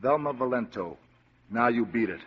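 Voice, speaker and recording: An actor playing a huge, slow-witted ex-convict who speaks in gruff, ungrammatical tough-guy talk. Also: mid-range voice, expressive, natural voice. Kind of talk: 1940s radio acting. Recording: dull old radio recording.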